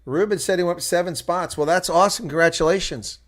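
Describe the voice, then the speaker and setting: A man's voice: high voice, quick pace, fairly bright tone. An American man giving live rugby play-by-play and reactions, chatting with viewers as he goes. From United States. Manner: chatty, talks to viewers while calling play. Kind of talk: solo live rugby commentary.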